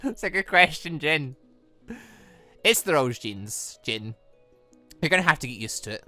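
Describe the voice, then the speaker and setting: A man voicing a calm, teasing, all-knowing warrior mother from a visual novel, telling lore in a patient, measured way. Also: a little high, soft background music, full character voice.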